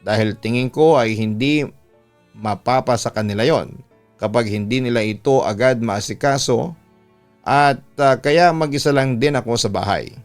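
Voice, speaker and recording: A man's voice: mid-range voice, moderate pace. A man reads a first-person story as dramatic scripted narration, like a radio storytelling host. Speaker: radio storytelling host reading a listener's letter. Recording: background music under the voice. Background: music.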